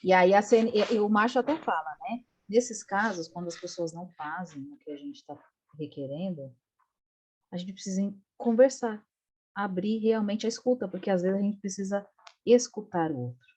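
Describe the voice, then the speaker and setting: A woman's voice: medium pitch, normal speed, rough recording. A middle-aged woman leading an online study group, telling a story casually and acting out the dialogue. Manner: animated storytelling, acts out the dialogue she retells.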